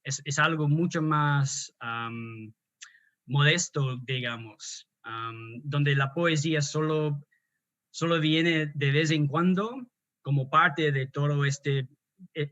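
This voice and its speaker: Un hombre de Australia que habla español como segunda lengua, con pausas y muchos titubeos, conversando en una entrevista. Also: male voice, medium pitch, fairly bright tone, lo-fi sound. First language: English. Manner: hesitant, many restarts and fillers. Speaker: guest poet and translator. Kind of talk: conversational interview.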